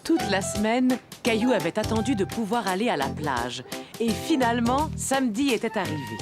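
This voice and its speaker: A woman giving scripted storybook narration for a children's cartoon in a clear, storytelling manner. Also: on the high side, sing-song, normal speed. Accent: French. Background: children's music.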